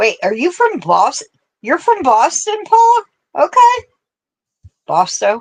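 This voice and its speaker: A woman with a Central Pennsylvania accent and an extremely high pitch speaks at a very slow pace, her pitch swinging very widely between long, frequent pauses. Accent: Pennsyltucky. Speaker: crochet crafting YouTuber. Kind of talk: casual chat. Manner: animated.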